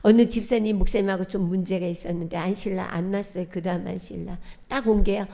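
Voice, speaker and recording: A woman's voice: mid-range voice, steady tone, fast, gravelly, mellow. A middle-aged woman giving a personal testimony at a church worship service, telling her story vividly and acting out the dialogue. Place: church sanctuary.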